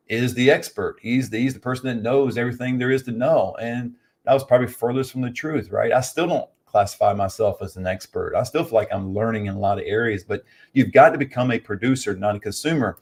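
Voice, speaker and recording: A man with a fairly low, slightly mellow voice coaches briskly in an informal motivational business talk. He's conversational, repeats key points for emphasis, and keeps checking in with short tags like "right?"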